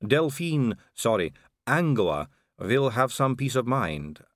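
A man voicing a calm, elegant, sly female vampire noblewoman in an audiobook, cool and drawling. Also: medium pitch, takes it slowly, no room sound, studio quality, voice pushed up. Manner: cool, drawling, amused and poised. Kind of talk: audiobook character reading.

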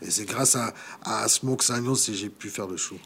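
A man's voice: on the low side, moderate pace, gravelly, fairly bright tone, a little hiss or hum. A man talking as a rapper guest in a casual interview. He is laid-back, keeps asking "you know what I mean" and slips into English.

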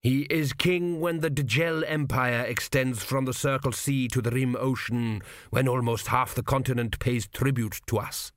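A man voicing an aged high priest who speaks slowly and ceremoniously, weighing every word. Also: steady tone, dry recording, studio quality, natural voice. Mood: solemn. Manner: slow, stately and deliberate. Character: aged high priest, solemn, measured and evasive.

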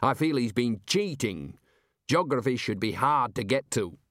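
A man voicing a haughty older male wizard dean who speaks in a measured, disdainful way. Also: mid-range voice, expressive, fairly bright tone, no echo, studio quality.

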